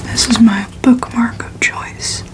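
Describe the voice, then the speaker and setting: A woman's voice: fairly high pitch, fairly even intonation, slow. Whispering woman with a slightly cracked voice. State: getting over a cold, short of breath. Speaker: host of an ASMR reading channel. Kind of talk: whispered ASMR, soft novel reading.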